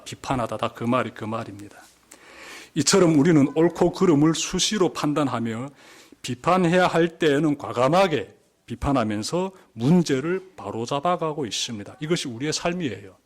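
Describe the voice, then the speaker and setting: Korean pastor preaching a deliberate sermon. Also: male voice, mid-range voice. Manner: deliberate preaching, repeats key words, rises for emphasis. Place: church sanctuary.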